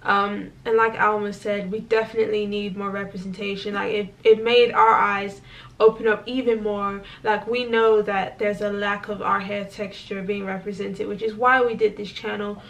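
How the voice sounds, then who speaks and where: A woman's voice: medium pitch, level tone, normal speed, gravelly, fairly bright tone. Young woman chatting on her vlog, um and like a lot, sounds a little far from the mic. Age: young adult. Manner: chatty, lots of fillers and acted quotes. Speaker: vlogger. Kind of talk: casual chat. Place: small indoor room, white wall.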